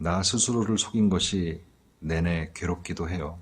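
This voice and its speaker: A man speaks in a calm, somewhat breathy tone with fairly even intonation. The recording is very clean, with a silent background. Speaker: audiobook narrator. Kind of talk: audiobook reading of an essay.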